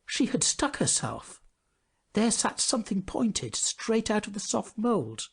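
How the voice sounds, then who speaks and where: A man reading a storybook tale aloud in an expressive, dramatic storytelling manner. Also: high-pitched, slow, gravelly, slightly rough. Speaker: storybook reader. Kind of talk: scripted storybook narration.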